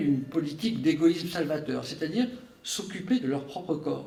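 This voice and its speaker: A man at high pitch with lively intonation and a moderate pace, amid noticeable background noise and audible room echo. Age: 60s. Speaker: traditional Chinese medicine practitioner. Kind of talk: interview. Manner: hesitant, repeats words.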